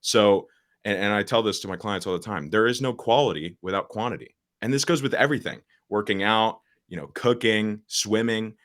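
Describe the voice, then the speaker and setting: Teen male guest, very deep low voice, blunt and straightforward, casual podcast chat with lots of fillers. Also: fairly quick, fairly bright tone. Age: late teens. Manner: straightforward, full of fillers and restarts. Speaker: social media coach, podcast guest.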